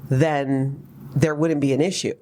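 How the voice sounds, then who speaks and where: A woman's voice: rumbling low, unhurried, slight background noise. Candid woman from Hawaii telling her story. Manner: candid, animated, wry storytelling with many asides. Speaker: podcast host. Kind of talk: personal storytelling chat.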